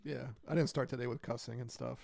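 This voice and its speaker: A soft-spoken, quiet man co-hosting a casual podcast, talking from a home studio. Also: mid-range voice, fairly even intonation, fast, gravelly. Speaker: podcast co-host. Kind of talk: casual chat.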